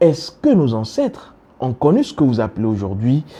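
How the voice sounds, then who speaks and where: Pitched at a medium level, a man speaks with a dark, mellow tone. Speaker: spiritual teacher. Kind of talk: spiritual talk to camera.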